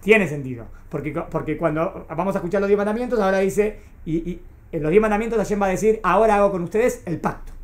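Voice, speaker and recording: A woman's voice: mid-range voice, fast talker, a little mellow. A woman teaching a class, explaining patiently and often checking that her students follow. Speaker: Torah teacher. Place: classroom with a small group. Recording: echoey classroom recording.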